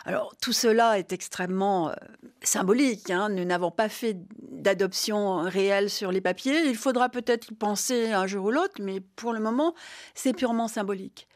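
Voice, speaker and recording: An older woman, a historian, answering interview questions in a measured, reflective way with occasional hesitations. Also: mid-range voice. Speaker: historian guest.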